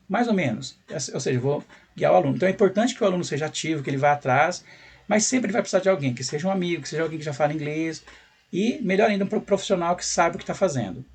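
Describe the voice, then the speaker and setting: A Brazilian Portuguese-accented man teaches in a chatty, explanatory way. His voice sits a little high and has a husky, slightly rough grain. He keeps tossing rhetorical questions to the viewer. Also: a little mellow. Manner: conversational, rhetorical questions, frequent tag "né". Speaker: English teacher. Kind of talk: explanatory video lesson.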